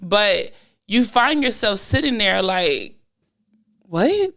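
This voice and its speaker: Female guest from Texas, middle-aged, mid-pitched with vocal fry, relaxed and easygoing. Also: slow pace. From Texas, born in California. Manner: relaxed, laughs easily, talks in loose runs. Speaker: guest, retired Olympic athlete. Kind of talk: casual interview chat.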